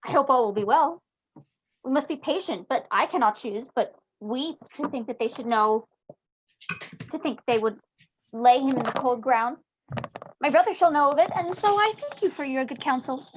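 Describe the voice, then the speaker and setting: A woman's voice: sits high, moderate pace, close to an everyday voice. A woman playing a grief-mad young noblewoman who drifts between verse, song and speech, in an amateur Shakespeare reading over livestream. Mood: mad, sorrowful. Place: remote livestream from separate location. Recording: dull, noisy livestream call with clicks.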